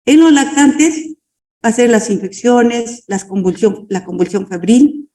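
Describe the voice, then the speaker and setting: A woman's voice: a little high, expressive, a little slow, mellow, echoey room. A woman lecturer dictating a medical class over a video call, checking in with tag questions.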